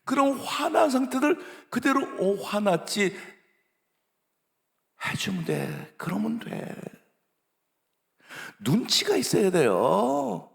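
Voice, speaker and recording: A middle-aged male pastor preaching a sermon, dropping to hushed whispers and rising to loud, pleading emphasis. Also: very high-pitched, wildly swooping pitch, slow, vocal fry. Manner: acts out parents scolding children. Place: church sanctuary. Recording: long church hall reverb.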